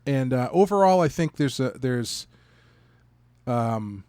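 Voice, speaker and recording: A man co-hosting a podcast, giving a casual conversational review in a halting, measured way as he thinks aloud. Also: mid-range voice, lively intonation, mellow, clear, resonant tone, no echo. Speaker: podcast co-host reviewing a stage play.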